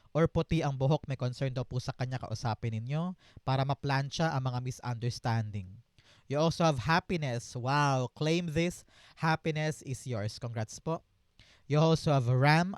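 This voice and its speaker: A man's voice: fairly high pitch, clear, resonant tone, no room sound, clean studio sound. A man with a Filipino accent giving an encouraging tarot reading, mixing Tagalog and English and repeating his phrases. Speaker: tarot reader.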